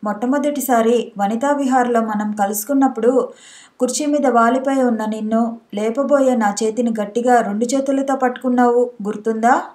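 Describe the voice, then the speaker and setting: A woman reading a caring young husband, gently worried, with a soft, mellow tone and a voice that sits fairly high. he sounds soothing and attentive in a storybook reading. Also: fairly even intonation, normal speed, lightly acted. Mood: concerned. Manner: concerned, soothing. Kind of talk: audiobook character voice.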